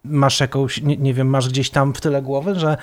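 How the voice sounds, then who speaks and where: A man, the interviewer, asking measured, probing questions. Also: mid-range voice, flat delivery, a little mellow.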